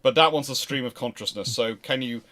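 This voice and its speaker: A man's voice: medium pitch, fairly quick, crowd noise. A British man in a casual livestream history discussion, hosting and answering questions in a rambling, emphatic way that often interrupts itself. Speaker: host answering viewer questions.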